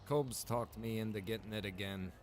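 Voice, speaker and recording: A man with a fairly low voice chats informally as he streams a game, with music clearly playing behind him. He talks like someone reminiscing with friends, loose and unscripted. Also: fairly even intonation, moderate pace, darkish tone. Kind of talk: casual chat while streaming roleplay game.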